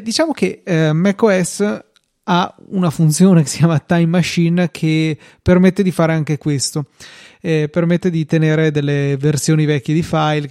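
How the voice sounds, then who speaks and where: Mellow-voiced Italian man, close and dry. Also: a little high, dry recording. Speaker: podcast host. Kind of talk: conversational tech commentary, reading out listener mail.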